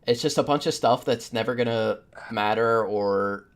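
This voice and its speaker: Male podcast host, average pitch, informal and opinionated, delivers views with emphasis. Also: normal speed. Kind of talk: casual opinionated panel chat.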